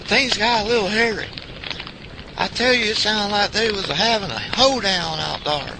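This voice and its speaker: A man playing an excitable backwoods country sidekick with a rural Southern US accent in an audio drama. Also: high voice, normal speed, gravelly, heavy background noise. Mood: cheerful.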